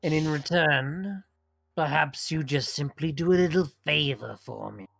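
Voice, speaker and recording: A man voicing a condescending hag villainess in a tabletop game, slow and theatrical, with mock-polite menace. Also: fairly high pitch, vocal fry, fairly bright tone, dry recording, full character voice. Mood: oily, bargaining. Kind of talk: tabletop role-play.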